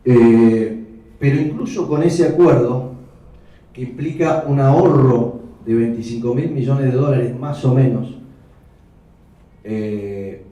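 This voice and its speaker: A man with an Argentine Spanish accent giving an economics talk with slides, measured and explanatory, correcting himself as he goes. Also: mid-range voice, warm tone. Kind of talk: lecture with slides. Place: hotel function room. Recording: echoey room, mic far off.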